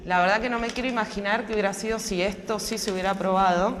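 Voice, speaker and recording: A woman's voice: medium pitch, fairly even intonation, fast. A woman commenting in a documentary interview, conversational, wry and critical. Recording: long hall reverb.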